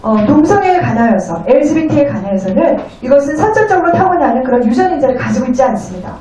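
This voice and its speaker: A woman interpreting a lecture phrase by phrase in a polite, formal, somewhat halting way. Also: high-pitched, animated, crowd noise. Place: echoey indoor venue. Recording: very echoey, distant room.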